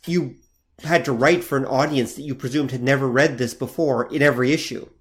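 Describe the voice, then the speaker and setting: A man co-hosting a casual podcast, talking at a middle pitch. He lays out his points in a measured, explanatory way. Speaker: podcast co-host. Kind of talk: casual chat.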